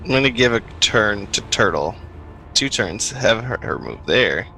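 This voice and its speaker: A man's voice: on the low side, sing-song, measured pace, vocal fry, bright, forceful tone, a little hiss or hum. A man chatting casually as a player in a tabletop game, joking and swearing. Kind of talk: casual chat during a game.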